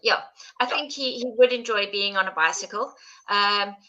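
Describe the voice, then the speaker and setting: A woman, a mother, answering radio interview questions in a steady, measured way. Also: mid-range voice, lo-fi sound. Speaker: guest, mother.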